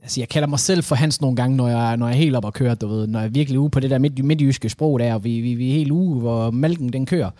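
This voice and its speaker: A man's voice: mid-range voice, hardly any pauses, warm tone, dry recording, studio quality. Joking young man podcast host. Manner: joking, imitates people in anecdotes. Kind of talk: casual chat.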